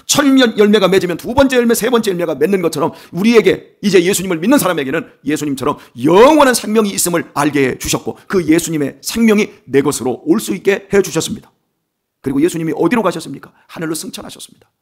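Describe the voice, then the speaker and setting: A man preaches an early-morning sermon in a husky, slightly higher voice. His pitch moves a lot as he turns to the congregation with questions. He drops into quiet asides, then rises to emphatic declarations. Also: expressive, fast talker. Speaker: pastor. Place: church sanctuary.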